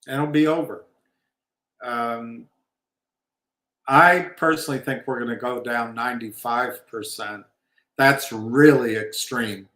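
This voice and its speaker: Slow, rambling man in a roomy room. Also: medium pitch, steady tone, fairly bright tone. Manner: rambling, opinionated, wry asides. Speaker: livestream host. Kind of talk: casual livestream talk on markets. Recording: roomy echo.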